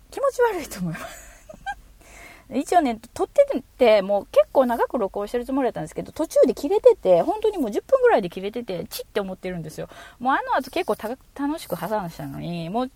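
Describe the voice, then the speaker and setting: A woman with a Kansai accent hosting a casual solo podcast, chatty, giggling often and trailing off into soft asides. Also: mid-range voice, creaky, dry recording. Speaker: podcast host.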